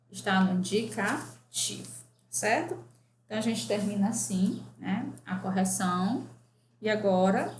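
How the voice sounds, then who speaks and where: A woman teacher correcting grammar exercises for a class, reading questions aloud and often checking in with "né?". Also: mid-range voice. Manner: reads exercises aloud, asks the class, frequent "né?". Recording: echoey room with faint ambient noise.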